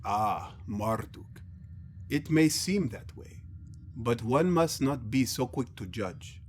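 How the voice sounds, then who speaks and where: A man acts out an alien elder with a slow, deliberate delivery. He is formal and commanding, a patriarch in a scripted audio drama. Some background noise sits under the voice. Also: medium pitch, expressive. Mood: measured, questioning.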